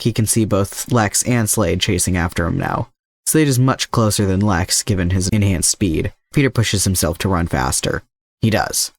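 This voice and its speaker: Man, low voice, scripted story narration, fiction reader, dry sound. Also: vocal fry, dry recording. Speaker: fan fiction podfic narrator.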